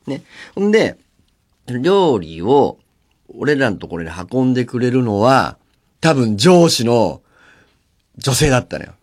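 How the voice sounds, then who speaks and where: Working alone at a studio mic in a radio studio, a man hosts a casual radio chat, telling stories with laughter and lively swings. He speaks in a mid-range voice, a little slowly, leaving long pauses.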